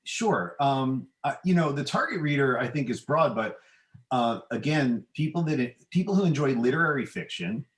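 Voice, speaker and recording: A middle-aged man, an author and podcast guest, answering in a hesitant, measured, modest way, with a roomy, echoing sound. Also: medium pitch, lively intonation. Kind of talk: conversational interview answers.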